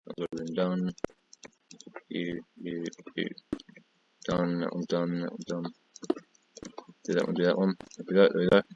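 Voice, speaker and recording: Tired low-voiced man narrating a build. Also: monotone, normal speed, gravelly, long pauses, darkish tone, lo-fi sound, slight background noise. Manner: chatty, repetitive counting and pointing while building. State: tired, losing his voice. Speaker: gaming tutorial creator. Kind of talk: casual build tutorial commentary.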